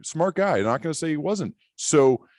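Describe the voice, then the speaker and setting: A man's voice: on the high side, animated, normal speed, a little mellow, no echo, clean studio sound. A man hosting a podcast, telling anecdotes in a casual, conversational way. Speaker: podcast host.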